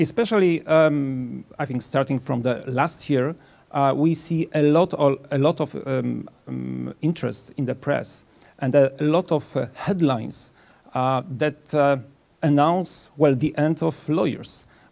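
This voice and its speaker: A man's voice at a very slow pace, with ordinary pitch variation. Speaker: conference presenter. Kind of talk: lecture. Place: stage. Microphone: handheld.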